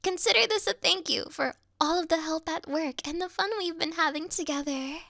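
A woman playing a sweet, clingy young yandere video game girl in a soft, coy, cutesy ASMR roleplay style. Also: very high voice, normal speed, creaky, no room sound, studio quality, heavily acted. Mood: coy, affectionate.

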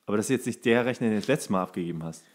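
A man's voice: on the low side, very fast. A young man, talking casually as co-host of a podcast.

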